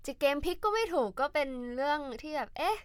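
A quick-talking woman co-host with a fairly high voice, chatting through political news in a lively, storytelling way. Her voice is close and dry with no room echo. She sounds like an academic talking casually on a talk show.

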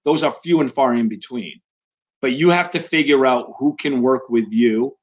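A man explaining things in a measured way during a casual chat on an online call. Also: medium pitch, muffled recording.

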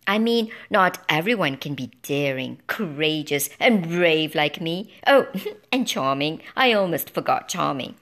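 A woman's voice: sits low, expressive, a little slow, fairly bright tone, voice pushed down, heavily acted. A woman voicing a vain, boastful male knight who brags about himself. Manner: pompous, bragging.

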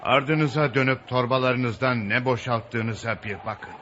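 An actor playing a pious old camel driver who gently pleads and rebukes. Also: male voice, mid-range voice, a little slow. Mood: pleading. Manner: pleading, then solemn. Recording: dull audio with faint noise.

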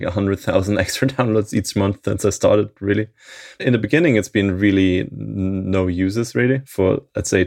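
A man who maintains a software library, explaining it in casual conversation and laughing often between points. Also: on the low side, gravelly. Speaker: open source library maintainer, guest.

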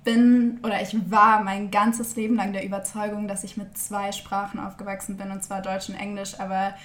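A woman's voice: mid-range voice, level tone, normal speed. A young woman from Germany, raised bilingual, chatting as a podcast guest and slipping into English phrases. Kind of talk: casual podcast chat. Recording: roomy echo.

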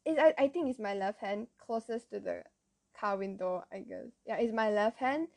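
A woman's voice: mid-range voice, moderate pace, gravelly, a little mellow. A young woman with a Malaysian accent telling personal stories in casual, colloquial Malaysian English as the host of an episode. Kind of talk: casual chat, personal storytelling.

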